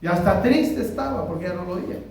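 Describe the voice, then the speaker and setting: High-voiced Mexican pastor in an echoey hall. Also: male voice, animated, quick pace, a little mellow. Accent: Mexican Spanish. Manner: conversational, asks the congregation questions. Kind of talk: sermon. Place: church hall. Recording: very echoey hall from far off, faint noise.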